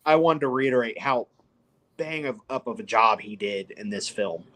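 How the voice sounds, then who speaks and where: A man guesting on a casual movie review podcast, enthusiastic and quick to laugh. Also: mid-range voice, expressive, a bit bright.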